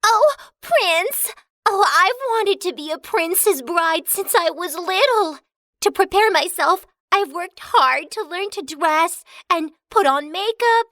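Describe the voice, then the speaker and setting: A woman's voice: extremely high pitch, animated, slow, a bit bright, no echo, studio quality, voice pushed up, exaggerated voice. A woman voicing a vain, pushy young stepsister in a children's storybook, squealing and whiny. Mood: gushing.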